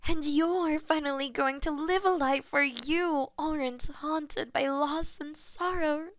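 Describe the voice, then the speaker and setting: A woman playing a possessive, lovestruck goddess of death in an intimate romantic audio roleplay, with a breathy, theatrical delivery that often drops to whispers. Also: sits high, a bit bright, no room sound, clean studio sound. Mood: triumphant elation.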